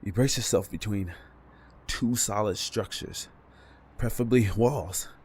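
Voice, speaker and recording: A man's voice: on the low side, unhurried, darkish tone, a little hiss or hum, lightly acted. An actor playing a weary, wry, street-smart man surviving a deadly night, muttering and sighing through an audio drama monologue. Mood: straining.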